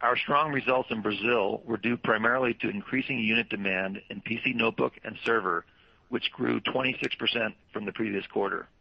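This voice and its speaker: A low-voiced man delivers formal, scripted corporate remarks as an executive. His voice is husky and creaky, and he reads in a measured, businesslike way. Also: steady tone, dry recording, dull audio. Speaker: company executive presenting quarterly results. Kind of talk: scripted earnings call presentation.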